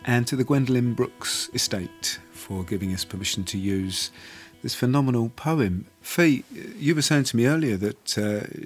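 A man's voice: mid-range voice, slightly rough. A man hosting a podcast, giving a conversational outro. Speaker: podcast host. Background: faint guitar music.

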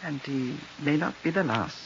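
An actor playing a cold, formal, soft-spoken murderous colonel in a 1940s radio crime drama, with an officer's precise manner. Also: male voice, a little high, expressive, moderate pace, vocal fry. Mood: smug, menacing. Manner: formal, precise, coldly polite military officer. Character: soft-spoken, menacing male colonel, murderous gang boss. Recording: muffled, noisy old radio recording.

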